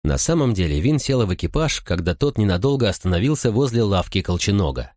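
A man narrating an audiobook in a steady, measured reading style. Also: lowish voice, no room sound, studio quality. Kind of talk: scripted narration.

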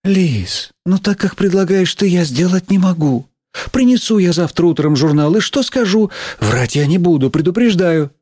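A man reading an audiobook, voicing a middle-aged woman schoolteacher who is excitable and quick to anger, in a raised, shrill, scolding voice. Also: no room sound, studio quality. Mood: pleading. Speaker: teacher.

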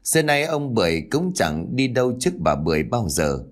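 A man narrating a scripted story in an expressive, dramatic way. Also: fairly low pitch, a little fast. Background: faint background music.

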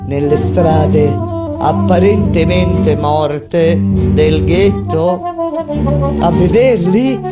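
Ghetto resistance fighter, slow deliberate delivery, solemn declamation, stage drama, loud musical accompaniment. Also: female voice, fairly low pitch, over loud music. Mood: grave, foreboding. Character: resistance fighter of the Warsaw Ghetto recounting the uprising. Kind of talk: dramatic theatrical monologue with music.

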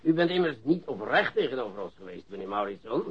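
An actor playing a falsely polite, relentless police interrogator in a radio play, mock-courteous, with theatrical, drawn-out emphasis. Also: male voice, mid-range voice, big pitch swings, slightly rough. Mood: mockingly polite. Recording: dull lo-fi radio recording.

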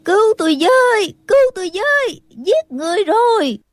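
A man voicing shrill women who cry for help and shout demands, in a high falsetto, in an audiobook reading. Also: big pitch swings, moderate pace. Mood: shrieking. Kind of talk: audiobook character voices.

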